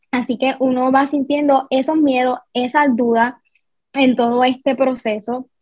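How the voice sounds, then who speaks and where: At a high pitch, a woman speaks at a fairly slow pace with very even loudness and a monotone, flat intonation. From Puerto Rico, Mayagüez. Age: 20s. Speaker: social work student. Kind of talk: interview.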